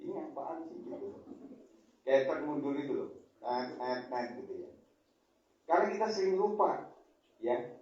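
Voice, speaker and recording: A man's voice: fairly high pitch, moderate pace, pauses often, a little hiss or hum. Indonesian man preaching in an echoey church. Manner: lively storytelling, acting out prayers in a hushed voice. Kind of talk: sermon. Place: large church hall. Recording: distant, echoey church hall, dull sound.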